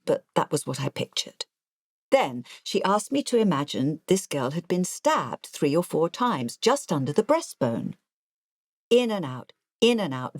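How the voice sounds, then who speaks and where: Audiobook narrator: elderly English ex-nurse, artless and confiding, low register, lively inflection, dry close sound. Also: female voice, dry recording, exaggerated voice. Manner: confiding, digressive, matter-of-fact. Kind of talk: audiobook first-person narration.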